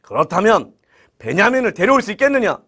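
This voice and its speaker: A man voicing Joseph as a young ruler in a children's Bible story, first commanding and stern, then gentle and reassuring. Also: high voice, very animated, fairly quick, breathy edge, full character voice.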